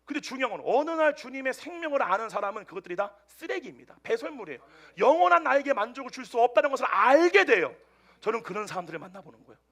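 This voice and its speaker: A male pastor delivers a Sunday sermon in a high, bright voice. His pitch leaps and dips constantly as he tells his story, jumping from loud bursts to hushed asides. He preaches to a congregation that answers him. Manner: animated storytelling, swinging between loud outbursts and hushed asides. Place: church service with a congregation answering amen.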